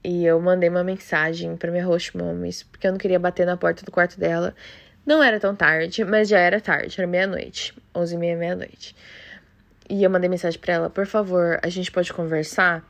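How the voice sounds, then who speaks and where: A young woman with a Brazilian Portuguese accent tells a personal story straight to camera. Her voice sits a little low, and she keeps checking in with the listener. The delivery is emotional and animated, like a vlogger confiding in her audience. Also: fairly quick, gravelly. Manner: emotional, animated, with frequent "you know?" asides. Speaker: vlogger, former au pair.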